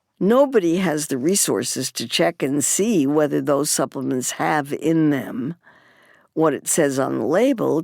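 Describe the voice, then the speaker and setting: Over a silent background in a very clean recording, a woman speaks at a moderate pace with vocal fry and very wide pitch swings. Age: 80s+. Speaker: nutrition and public health expert. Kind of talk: interview.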